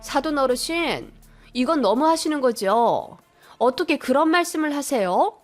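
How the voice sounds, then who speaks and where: A woman voicing a protective older sister who speaks sharply and loudly in a radio story. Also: fairly high pitch, lively intonation, a little slow, soft background music. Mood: indignant. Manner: sharp, indignant, loud.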